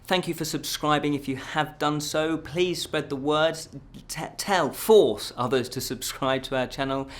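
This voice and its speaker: A man's voice: a little high, unhurried, hardly any pauses. A man presenting an informal news show from a script, ad-libbing with self-deprecating jokes and tripping over words.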